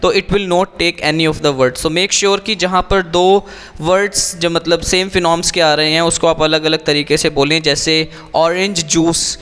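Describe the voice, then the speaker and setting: High-pitched Indian man, teacher reading aloud. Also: flat delivery, very fast, a bit bright, clean tone. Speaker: English exam coach. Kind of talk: instructional read-aloud with tips.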